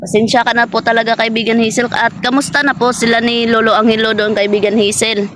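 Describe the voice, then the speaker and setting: A woman's voice: on the high side, flat delivery, fast talker, faint music behind. A woman vlogging outdoors in a garden, chatting casually with an unseen spirit friend, passing on what it says and laughing often. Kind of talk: casual spoken vlog addressing an unseen spirit.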